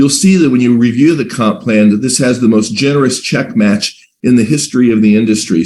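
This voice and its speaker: The man's voice rests at a medium pitch. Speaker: attorney and business leader. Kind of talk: business presentation. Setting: video call. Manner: fast.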